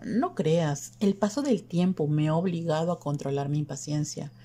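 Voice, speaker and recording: A woman's voice: deep voice, normal speed, warm tone, slightly rough. A woman voicing an impatient, restless older woman in an audiobook, speaking with a raised, urgent delivery. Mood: brisk.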